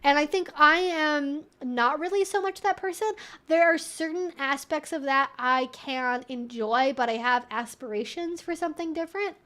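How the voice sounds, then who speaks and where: A woman's voice: high voice, moderate pace, a bit bright. A woman hosting a casual educational livestream, explaining things conversationally with lots of "like" and "you know". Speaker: host of a live Q&A stream.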